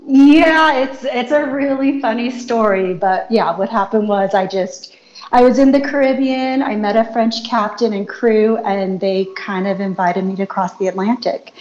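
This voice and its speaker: A woman's voice: mid-range voice, measured pace, a little mellow. A woman calling in to a radio interview over the phone, telling stories casually with many fillers. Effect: over a phone line, on speakerphone. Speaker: guest chef and wellness consultant. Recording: muffled phone line, faint background noise.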